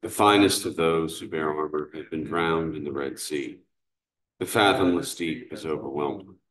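A man leading morning prayer as a priest, reciting psalms, canticles and the creed in a measured, steady way, recorded from a distance in a large cathedral. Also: extremely low pitch. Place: large cathedral sanctuary, indoors. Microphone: far camera. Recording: echoey cathedral room sound.

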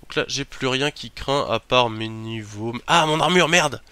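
A man giving chatty gameplay commentary as a let's play host, talking to himself and bursting into startled shouts and curses. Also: medium pitch, unhurried, clear, resonant tone, no echo.

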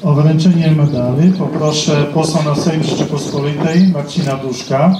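A man's voice: on the high side, steady tone, moderate pace. Echoey, distant man announcing formally. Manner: formal reading of lists of names. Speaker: master of ceremonies. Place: outdoor stage at a ceremony. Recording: echoing outdoor PA, distant, faint noise.

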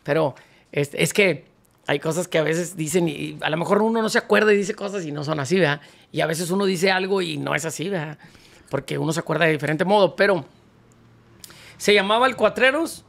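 A man, a band founder and accordionist, telling slangy, animated anecdotes as a guest in a casual interview. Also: fairly high pitch, a little fast, creaky.

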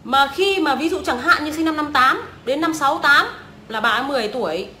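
A woman's voice: high-pitched, expressive, a little fast, bright, forceful tone, a little hiss or hum. A young woman, ranting scornfully and swearing often as a vlogger. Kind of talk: profane ranting commentary. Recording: echoey room.

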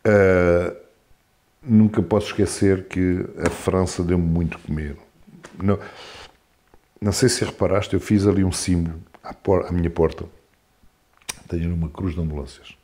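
Low-voiced man in his forties, rambling. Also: normal speed, pauses often. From France. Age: 40s. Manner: rambling, animated storytelling with frequent restarts. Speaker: interview guest. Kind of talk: casual conversational interview.

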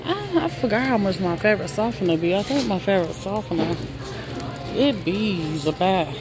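Amid noisy store background, a woman chats with viewers as she browses a large warehouse store, exclaiming at the prices in casual shop-with-me style. She speaks at a moderate pace in a medium-pitched, expressive voice.

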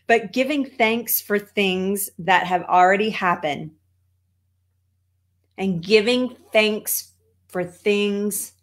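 A middle-aged American woman from Texas gives a motivational talk at her desk. Her voice sits at a medium pitch, and she speaks in an emphatic way, repeating phrases for weight, like a coach addressing followers online. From Texas, United States. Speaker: holistic cancer coach, show host. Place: small home office, indoors.

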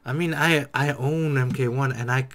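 A man in his twenties giving casual reaction commentary as a streamer, excitable, repeating himself and swearing freely. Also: medium pitch, normal speed. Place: small dim room at home.

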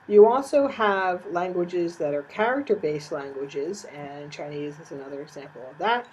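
Lower-voiced woman giving a lecture. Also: a little mellow, slight background noise, poor audio. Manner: explanatory, with frequent fillers. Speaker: teacher. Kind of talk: recorded classroom lecture.

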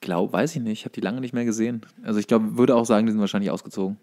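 A man's voice: on the low side, steady tone, racing, a little mellow. A young man with a German accent, chatting casually as a podcast co-host.

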